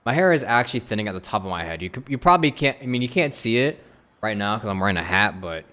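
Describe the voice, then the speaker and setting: A man's voice: fairly low pitch, big pitch swings, fast talker, bright, forceful tone. A man livestreaming a game, reacting casually in a candid, slangy, exclaiming way. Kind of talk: casual live gameplay reaction. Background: game music.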